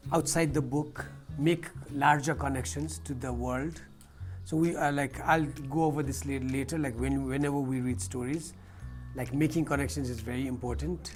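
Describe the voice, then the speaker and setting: A man from Nepal, explaining things as an educator leading a workshop. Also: mid-range voice. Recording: echoey room, music underneath.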